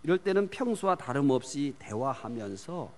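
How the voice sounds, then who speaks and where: A man preaching a sermon on parenting, asking the congregation questions and answering them himself, swinging from loud emphasis to hushed near-whispers. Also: medium pitch, sing-song, moderate pace. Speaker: pastor. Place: church sanctuary. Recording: long church hall reverb.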